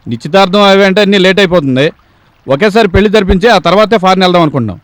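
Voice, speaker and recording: An actor playing a calm, matter-of-fact minister speaking on the phone, in a 1980s film drama. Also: male voice, sits high, rapid-fire, dry recording.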